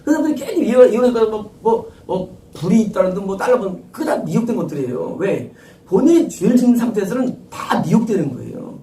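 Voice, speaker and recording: Animated Korean pastor preaching in a roomy church. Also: male voice, sits high, fast talker. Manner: emphatic, rhetorical questions, repeats key phrases. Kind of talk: sermon. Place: church sanctuary. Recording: roomy echo, distant mic.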